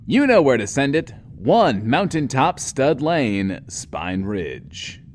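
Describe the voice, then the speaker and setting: An actor playing a smug but soft-hearted radio host, delivering a theatrical, self-loving monologue in an audio drama. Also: male voice, mid-range voice, big pitch swings, takes it slowly, a little hiss or hum. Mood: smug, wheedling. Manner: pompous, theatrical, swooping emphasis. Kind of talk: in-world radio show monologue.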